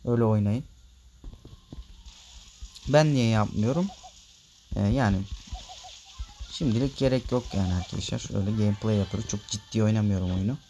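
A gameplay video maker with a fairly low, warm voice chats casually with his viewers at a moderate pace, leaving long pauses. He grumbles and gets easily annoyed at his random teammates, and a little hiss or hum sits under the recording.

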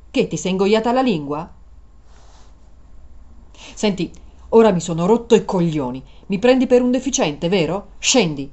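A woman's voice: medium pitch, a little mellow, natural voice. A woman reader voicing an irritable, foul-mouthed young man at the wheel, speaking curtly. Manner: curt, swearing, exasperated. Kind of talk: dramatized story reading.

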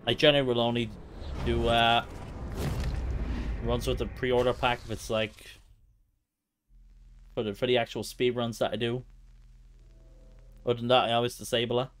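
A man's voice: medium pitch, flat delivery, normal speed, long pauses. A man giving casual live commentary as he plays through a video game. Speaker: video game streamer, speedrunner. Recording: faint noise, game audio behind. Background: video game ambience.

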